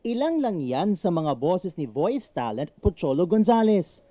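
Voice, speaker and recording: A Filipino man narrates a news report with a very lively melody. His tone is mellow, on a dry, slightly dull recording. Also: sits high, a little slow, no echo.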